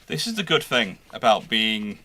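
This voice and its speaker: Very animated, a man hosts a relaxed live question-and-answer session on history, drawing on his background as a naval historian; he muses aloud in a conversational way and asks himself questions. He speaks at a normal speed in a fairly low, sharp-toned voice.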